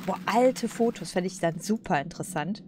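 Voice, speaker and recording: A woman's voice: fairly low pitch, lively intonation, moderate pace, noisy background. A woman hosting a let's play, chatting casually and musing aloud in informal slang. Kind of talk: casual gaming commentary.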